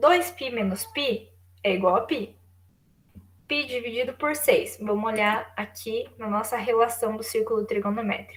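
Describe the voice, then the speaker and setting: The pace is fairly slow, and the pitch varies in an ordinary way. It is an unremarkable speaking voice. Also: woman, fairly high pitch for a woman. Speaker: math teacher. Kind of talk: online lecture.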